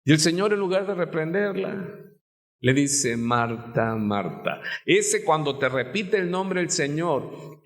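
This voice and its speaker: A Mexican male pastor preaches slowly and deliberately, with a fairly high voice. He keeps asking the congregation rhetorical questions, and his words trail off in a long church reverb. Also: fairly bright tone. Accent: Mexican Spanish. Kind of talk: sermon. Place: church sanctuary.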